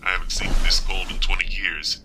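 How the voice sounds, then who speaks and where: A man playing a folksy, matter-of-fact forest service officer in an amateur audio drama, speaking in a measured way. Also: low voice, little pitch movement, heavy background noise, close to an everyday voice. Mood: concerned, businesslike.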